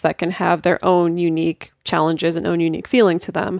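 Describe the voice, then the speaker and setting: A woman talks at a moderate pace and a fairly low pitch. Hers is an unremarkable speaking voice. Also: dry, close sound with no echo. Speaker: podcast host. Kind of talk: casual chat. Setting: video call.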